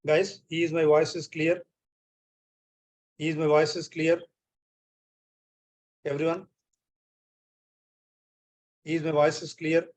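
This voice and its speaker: Indian male trainer, fairly high voice, repetitive online-class delivery over a laptop mic. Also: level tone, slow, long pauses. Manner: repeats phrases often, checks on students.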